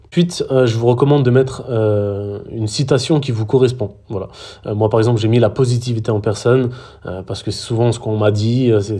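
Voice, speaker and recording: A man's voice: fairly low pitch, mellow. A man from France, giving a casual social media tutorial with lots of fillers and restarts. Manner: hesitant, many fillers and restarts. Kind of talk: casual screen-recorded tutorial.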